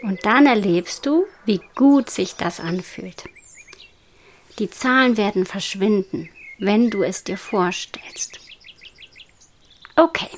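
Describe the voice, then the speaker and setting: A woman guiding a hypnosis meditation in a soft, slow whisper. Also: medium pitch, a little hiss or hum. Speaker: hypnosis guide.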